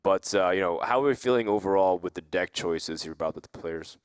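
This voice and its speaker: A man hosting an esports tournament desk, recapping results and putting questions to his co-casters in a lively way. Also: sits low, a little fast, smooth, no echo.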